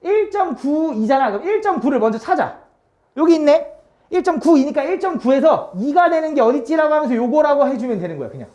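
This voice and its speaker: A woman's voice: high voice, big pitch swings, a little fast, dark tone, highs cut off. A woman teaching a math class, coaxing and teasing her students with constant check-in questions.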